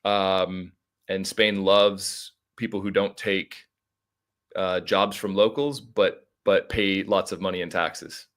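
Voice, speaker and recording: A middle-aged man with an American accent speaks in a low voice. He talks as a podcast guest, in a casual storytelling way. His manner is informal and talkative, wandering through asides. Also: level tone, slow, fairly bright tone. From United States (Arizona).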